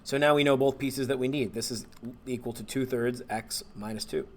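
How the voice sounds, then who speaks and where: A man, a math teacher, relaxed and thinking aloud as he walks through homework problems and corrects himself along the way. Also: mid-range voice, normal speed. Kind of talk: homework walkthrough screencast.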